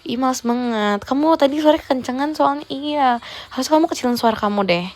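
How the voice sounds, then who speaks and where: A young woman with a high-pitched voice talks fairly quickly during an idol livestream. She chats teasingly in a playful role-play and drops English words into her speech.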